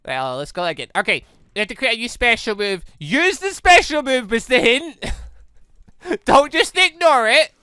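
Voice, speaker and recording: An excitable let's play host, commentating on a game and exclaiming while reading along. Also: medium pitch, moderate pace, clear, resonant tone, dry recording. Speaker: gaming video host reading a visual novel aloud. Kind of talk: let's play commentary with read-aloud character dialogue. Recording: close dry mic over game music. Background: game music.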